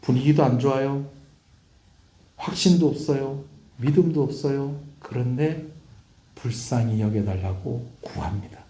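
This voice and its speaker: A man's voice: mid-range voice, measured pace, long pauses, dark tone, reverberant, slight background noise. A man, a pastor with a Gyeongsang accent, preaching a fervent sermon and calling out to his congregation. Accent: Gyeongsang Korean. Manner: preaching with rising fervor and call-and-response. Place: church sanctuary.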